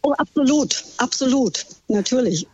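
A woman's voice: high-pitched, lively intonation, moderate pace, a little mellow, breathy edge, no echo. A woman tour guide calling in to a radio show, cheerful and hesitant, with many ums and ahs. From Germany. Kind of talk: casual chat over the phone. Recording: dull, muffled phone line.

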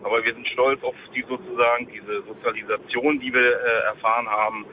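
A man's voice: medium pitch, level tone, fairly quick. Male caller, fifties, from East Germany, hesitant with fillers, thin phone-line sound, faint hiss. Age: 50s. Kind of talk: phone-in comment.

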